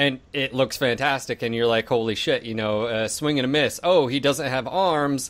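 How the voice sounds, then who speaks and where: A man with an ordinary speaking voice talks at a medium pitch and a moderate pace, with ordinary pitch variation and hardly any pauses. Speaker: podcast host. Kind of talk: casual chat.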